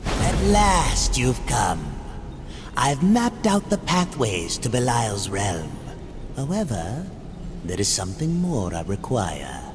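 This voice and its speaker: Swooping, theatrical demon merchant. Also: male voice, medium pitch, sing-song, over music. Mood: scheming. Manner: theatrical, drawn-out, formal. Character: sly, scheming male demon merchant, theatrical and cryptic. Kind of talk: video game cutscene acting. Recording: long reverb with noisy ambience behind.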